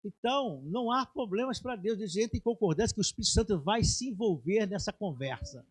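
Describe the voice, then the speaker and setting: A middle-aged man preaching a sermon with personal testimony, moving from quiet storytelling to loud, shouted exhortation. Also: high voice, lively intonation, brisk, slightly rough. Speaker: pastor. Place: church sanctuary.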